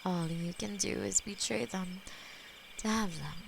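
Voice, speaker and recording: A woman voicing a centuries-old female demon who keeps a human as her pet, speaking slowly and intimately with a possessive edge. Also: medium pitch, gravelly, a little hiss or hum. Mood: tender. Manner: slow, intimate, possessive, softly spoken. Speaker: voice actor in audio roleplay. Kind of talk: scripted audio roleplay.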